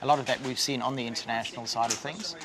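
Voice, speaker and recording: A man's voice: mid-range voice, rapid-fire, a crowd in the background. A man, an air traffic line manager, answering questions on location with many hesitations. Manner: hesitant, many ums and uhs. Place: airport control tower. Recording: noisy control room background.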